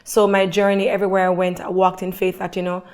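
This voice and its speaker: A woman's voice: fairly low pitch, little pitch movement, fast talker, darkish tone, clean tone. A woman being interviewed who tells her story in an earnest, faith-filled way. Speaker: guest. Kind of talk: conversational interview.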